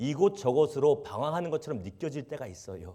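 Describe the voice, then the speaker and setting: This man talks at a moderate pace with a fairly high pitch and some vocal fry. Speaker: pastor. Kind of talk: sermon.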